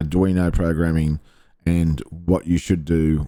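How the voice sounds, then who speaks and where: A man with a very deep, low pitch speaks in a flat monotone with a dark, mellow tone. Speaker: flight sim hardware youtuber. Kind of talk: tutorial. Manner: hesitant with many fillers.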